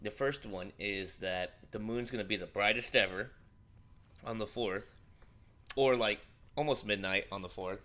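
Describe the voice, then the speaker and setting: Bright-voiced male livestream host. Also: fairly low pitch, measured pace. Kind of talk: casual livestream chat.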